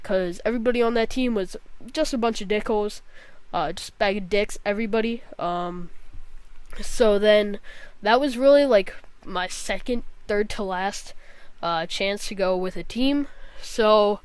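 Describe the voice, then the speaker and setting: A woman's voice: mid-range voice, measured pace, clear, resonant tone, no room sound. A young woman gaming vlogger telling a long story casually, rambling with lots of fillers and swearing bluntly.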